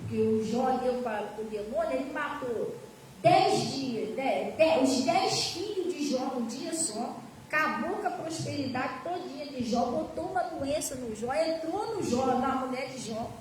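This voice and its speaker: Captured at a distance in an echoey church hall with faint noise, a woman pastor delivers an emphatic sermon story and turns toward her congregation. Her voice is high-pitched and animated, yet unhurried.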